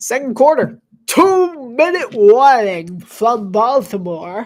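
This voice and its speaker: A woman's voice at a very slow pace. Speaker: sports commentator. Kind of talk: live commentary. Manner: casual.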